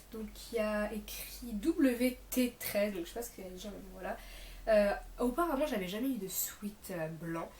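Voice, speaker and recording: A young woman vlogs casually to the camera while showing off a shopping haul, rambling informally and correcting herself, her slightly high, mellow voice a bit off from a mild illness. The room sounds spacious, with slight background noise.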